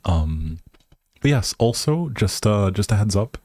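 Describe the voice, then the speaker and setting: A man's voice: fairly low pitch, sing-song, a little slow, mellow, no room sound. A man hosting a casual livestream, chatting to viewers in a hesitant, rambling, appreciative way. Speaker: live streamer, host.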